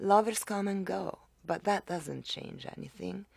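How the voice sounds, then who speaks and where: A woman speaks at a moderate pace in an Italian accent, with vocal fry. The recording is very clean, with a silent background. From Italy. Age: 40s. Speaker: housewife and mother. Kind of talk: casual interview.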